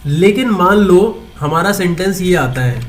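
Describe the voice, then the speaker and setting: In an online English grammar lesson, a man asks his students questions, then answers them on his own, repeating points and mixing Hindi with English terms. His voice is high-pitched and expressive, a little slow. A faint hiss or hum runs underneath.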